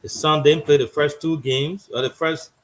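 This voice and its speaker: A man's voice: on the high side, steady tone, moderate pace. A man hosting a political talk show, speaking in a loose, conversational way and thinking aloud as he goes.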